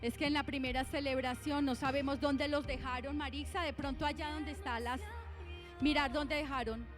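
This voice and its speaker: A middle-aged woman with a Colombian Spanish accent preaches to her church in a high voice. She exhorts the congregation and keeps firing questions at them, with faint music under her. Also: fairly even intonation, moderate pace. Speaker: pastor. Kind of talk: sermon.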